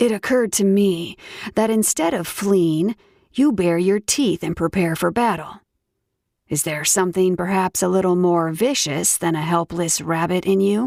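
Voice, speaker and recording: Using a put-on character voice, a woman growls at a medium pitch and a moderate pace. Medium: read story. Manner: smug, teasing.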